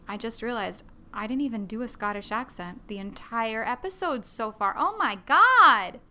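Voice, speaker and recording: A woman's voice: a little high, lively intonation, normal speed, bright, forceful tone, slight background noise. A woman hosting a solo podcast, chatting in a bubbly, self-deprecating way and rambling with many fillers. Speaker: podcast host.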